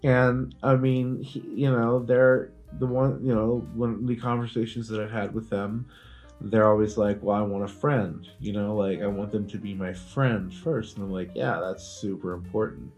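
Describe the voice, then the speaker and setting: A man's voice: on the low side, level tone, normal speed, a little mellow, faint music behind. A middle-aged man co-hosting a comedy podcast, rambling in casual chat with many fillers and restarts. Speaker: podcast co-host.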